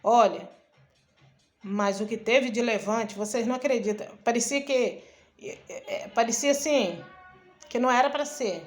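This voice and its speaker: Speaking a little slowly in a voice on the high side, a woman missionary and preacher tells her testimony over faint background music. She keeps it chatty, stringing events along and acting out what people said.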